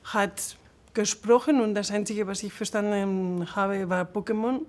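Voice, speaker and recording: Woman, 40s, Spanish accent in German; slow, halting guest with frequent fillers and laughs. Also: medium pitch, steady tone, a little mellow. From Spain. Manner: hesitant, many fillers, laughs often. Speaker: interview guest. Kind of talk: casual interview, non-native German.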